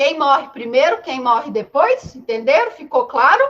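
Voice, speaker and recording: A woman's high-pitched voice. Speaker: law professor. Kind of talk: lecture.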